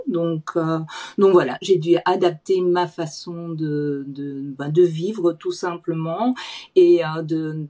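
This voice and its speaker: Woman, mid-fifties, lowish pitch, mellow, candid, reflective testimony. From Belgium. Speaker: interview guest, client sharing her experience. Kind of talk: personal testimony in conversation.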